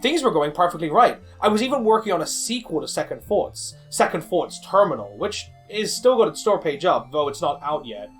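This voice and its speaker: A man's voice: fairly high pitch, big pitch swings, a little fast, few pauses, faint music behind. A man narrating a personal video about his own work in a conversational, rambling, self-deprecating way. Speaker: indie game developer and video creator. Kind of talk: casual scripted-feeling personal narration.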